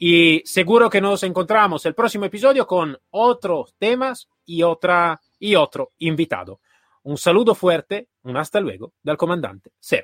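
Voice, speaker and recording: The sound is dry and close with no echo as a man with a high pitch speaks at a fairly slow pace. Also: ordinary pitch variation, very clean recording, silent background. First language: Italian (speaking Spanish). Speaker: podcast host and former police K9 instructor. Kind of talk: interview. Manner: halting.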